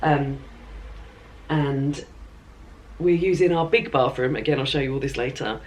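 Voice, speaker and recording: A hoarse woman with a chesty cough, chatting casually to camera in a rambling reading vlog from her bed at home, with plenty of ums and throat clearing. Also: a bass voice, measured pace. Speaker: book vlogger.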